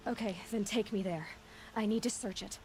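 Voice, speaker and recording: A woman's voice: medium pitch, normal speed, a little mellow, lightly acted. A woman voicing a determined, blunt young female tribal warrior in a video game. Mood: firm. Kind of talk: cinematic video game acting.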